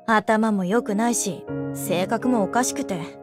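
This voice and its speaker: Game role: cool boyish young woman soldier, voiced by a woman, level plain delivery, mid-low female register. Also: a little slow, natural voice. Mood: steady. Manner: level, matter-of-fact, plain-spoken. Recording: faint music underneath.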